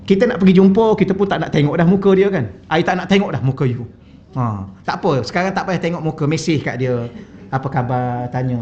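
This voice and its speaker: High-voiced Malaysian man giving a mosque lecture. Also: darkish tone. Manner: chatty, anecdotal, humorous storytelling. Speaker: religious teacher. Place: mosque hall. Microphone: wireless microphone. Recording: slightly dull lo-fi sound.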